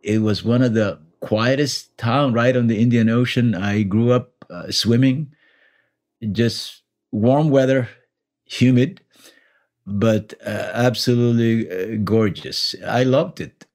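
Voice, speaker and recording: A man from Somalia with a Somali accent, a professor answering interview questions in a measured, reflective way with pauses. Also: medium pitch, darkish tone. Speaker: business professor, interview guest.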